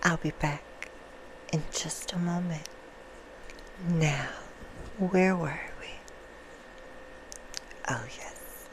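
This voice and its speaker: A woman voicing a seductive, courtly vampire hostess for ASMR, soothing and sinister, in a slow, hushed half-whisper. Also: low voice, rough recording. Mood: soft, storytelling. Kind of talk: ASMR roleplay, bedtime storytelling. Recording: clear background noise.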